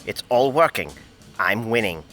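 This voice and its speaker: Scheming media tycoon, very sharp forceful voice, animated pitch, self-important, intense, audio drama. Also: male voice, measured pace, faint music behind. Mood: triumphant. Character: self-justifying, scheming male media boss with grand ambitions.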